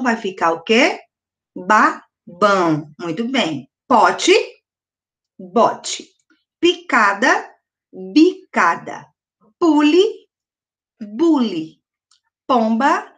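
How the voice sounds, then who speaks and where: Brazilian woman, middle-aged, first-grade teacher on video, slightly high pitch, patient and slow on syllables. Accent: Brazilian Portuguese. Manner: slow, sounding out words syllable by syllable; patient, asks children questions and answers them. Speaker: primary school teacher.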